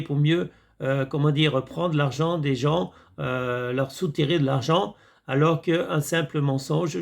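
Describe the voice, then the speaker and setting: Rambling man with a gravelly voice. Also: on the high side. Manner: rambling, hesitant with many fillers, addresses viewers as friends. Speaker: video commentator. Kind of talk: casual monologue reviewing a series.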